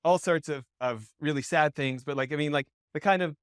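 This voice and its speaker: A man's voice: a little high, fairly quick, clear, resonant tone, dry recording, studio quality. Rambling man interview host. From Western Canada. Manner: rambling, many fillers, like and restarts. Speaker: podcast host. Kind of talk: casual interview.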